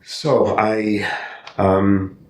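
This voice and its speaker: A man's voice: little pitch movement, very slow. An older man from Canada, an actor and playwright whose first language is not English, reflecting on his life in a thoughtful interview with frequent restarts. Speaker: podcast guest, actor and playwright. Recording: roomy with faint rumble.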